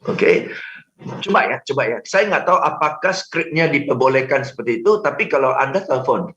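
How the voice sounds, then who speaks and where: A man, a sales trainer, giving advice on a radio talk show, animated, laughing often, acting out phone calls and mixing in English phrases. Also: medium pitch, fairly quick, reverberant, muffled recording. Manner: mixes English phrases into speech.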